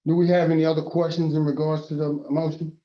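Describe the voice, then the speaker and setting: A man's voice: fairly high pitch, flat delivery, quick pace, muffled recording. A man chairing a council meeting over a video call, speaking in a conversational, procedural way with some restarts.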